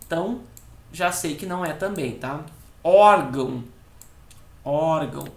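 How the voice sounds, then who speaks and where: A high-pitched man teaches Portuguese for civil service exams, speaking with a southern Brazilian accent from Rio Grande do Sul. He explains his exam-prep lesson step by step, checks in with a quick question after nearly every phrase, and slowly repeats key words for emphasis. The room is echoey.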